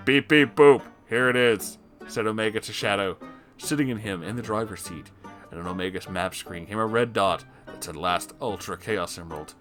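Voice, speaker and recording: A man's voice: sits low, brisk, fairly bright tone. A man reading a story aloud as a comedic host, theatrical and emphatic, with music behind him. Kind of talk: comedic dramatic story narration.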